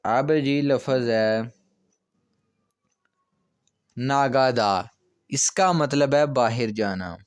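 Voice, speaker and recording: A man's voice: mid-range voice, drawn-out words, pauses often, clear, resonant tone, no echo, studio quality. A man teaching a grammar lesson, explaining step by step and checking in with "okay" often. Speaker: language teacher.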